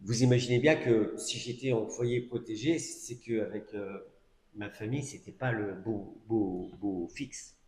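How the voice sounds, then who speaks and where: A man's voice: lowish voice, a little slow, a little mellow. A middle-aged man giving a sermon as a personal testimony, telling his story conversationally with asides and fillers. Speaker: preacher. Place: church hall. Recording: echoey church hall recording.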